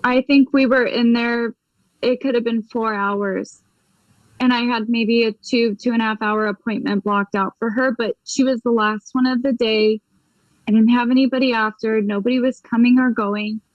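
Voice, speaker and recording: Woman, medium, interview guest, lively storyteller, acts out dialogue, slightly high voice, dry muffled sound. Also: moderate pace, dry recording. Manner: vivid storyteller, acts out quoted dialogue, laughs often.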